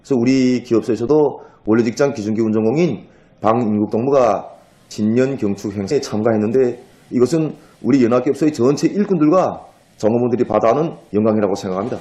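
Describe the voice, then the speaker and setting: Earnest North Korean factory official. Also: male voice, medium pitch, quick pace, dark tone. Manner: earnest, formal speech. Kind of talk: interview statement.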